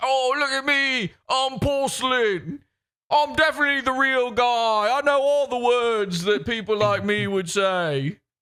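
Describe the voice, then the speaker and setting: In a put-on character voice with a British accent, a man speaks at an extremely high pitch and a fairly slow pace on a very clean recording with a silent background. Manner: mocking.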